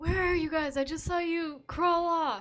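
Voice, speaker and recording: Putting on a character voice, a woman speaks at an extremely high pitch with ordinary pitch variation. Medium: actual play.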